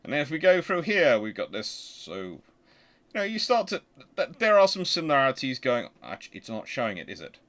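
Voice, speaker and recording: A man's voice: mid-range voice, wildly swooping pitch, fairly bright tone. Man thinking aloud as he explains. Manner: conversational, halting, muttering to himself while working. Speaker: history channel host.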